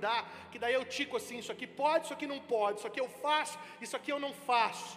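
This man talks very fast. His intonation stays fairly even throughout. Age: 30s. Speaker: pastor. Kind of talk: sermon. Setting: church. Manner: impassioned.

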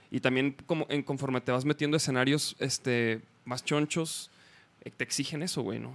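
A normal speaking voice at a moderate pace, with fairly even intonation, a very clean recording over a silent background, and a dry, close sound with no echo. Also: man, medium pitch for a man. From Chihuahua, Mexico. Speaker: podcast host. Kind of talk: casual chat.

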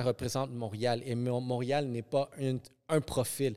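On a very clean recording with a silent background, a man with a dark, mellow tone and medium pitch speaks at a very slow pace. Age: 30s. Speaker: podcast host. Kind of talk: casual chat.

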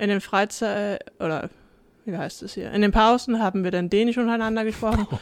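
Here is a woman with an unremarkable speaking voice, pitched fairly high. She talks at a fairly quick pace with fairly even intonation. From Denmark, southern Jutland. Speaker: professional handball player. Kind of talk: casual interview.

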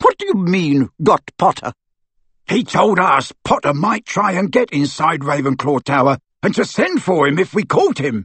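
Talking at a fairly slow pace, a man speaks with a high pitch. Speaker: audiobook narrator. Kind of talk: audiobook narration of a novel. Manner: dramatic, animated, character voices.

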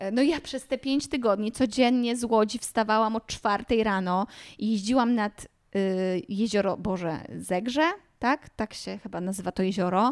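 On a very clean recording with a silent background and a dry, close sound with no echo, a woman speaks at a fairly high pitch and moderate pace in a plain, everyday voice with ordinary pitch variation. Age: 20s. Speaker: actress and podcaster. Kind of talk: casual chat.

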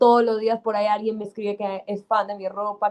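Speaking fairly quickly, a woman's voice sits at a medium pitch. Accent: slight Colombian. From Colombia. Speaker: clothing designer and entrepreneur. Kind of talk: interview.

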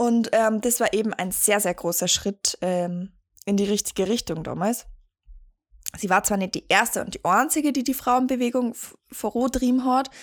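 Recorded very cleanly against a silent background, a normal speaking voice moves at a moderate pace with ordinary pitch variation. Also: woman, fairly high pitch for a woman. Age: 20s. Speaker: podcast host. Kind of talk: casual chat.

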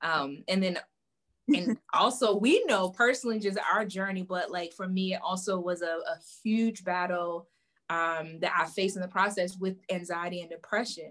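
A woman with an ordinary speaking voice and an American accent talks at medium pitch and a moderate pace, with ordinary pitch variation. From Virginia, US South. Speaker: media company founder. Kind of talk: casual interview chat.

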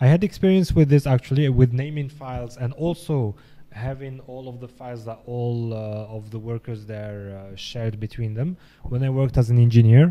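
Moderate pace and ordinary pitch variation in an Algerian accent. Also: man, medium pitch for a man. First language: Algerian Arabic. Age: 20s. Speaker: podcast host. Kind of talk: casual chat.

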